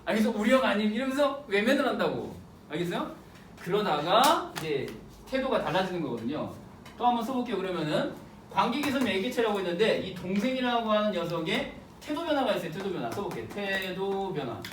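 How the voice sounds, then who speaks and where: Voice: medium pitch, big pitch swings, brisk. A Korean literature teacher giving an exam prep lecture, colloquial, repeating phrases and quizzing the students. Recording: roomy, distant mic, faint noise.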